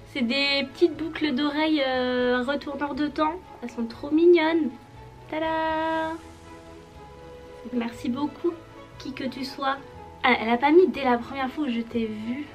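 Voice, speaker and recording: A woman youtuber gushing excitedly while she unwraps her gifts. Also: sits high. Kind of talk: casual vlog unboxing.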